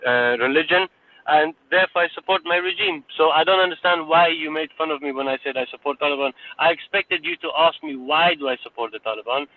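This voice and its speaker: A man from Afghanistan arguing in a live audio room. He speaks insistently, lectures his listeners and repeats words when he is cut off. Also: fairly high pitch. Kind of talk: heated debate. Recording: tinny phone-line audio.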